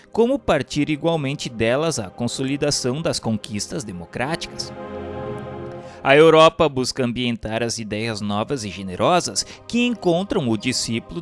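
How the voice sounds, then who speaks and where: A man with a Brazilian accent reading a scripted narration in a solemn, formal, declamatory way. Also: mid-range voice. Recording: music bed under the voice. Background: instrumental music.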